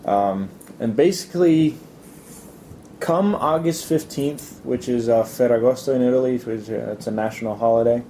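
A young man answering interview questions in a casual, halting way, with many fillers and restarts. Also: mid-range voice, warm tone, a little hiss or hum.

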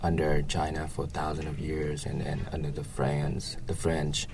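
A young man from Vietnam, a native Vietnamese speaker with a Vietnamese accent, answering casually in a halting, rambling way with lots of filler phrases. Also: very deep voice, monotone, vocal fry, background noise. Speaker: interviewee.

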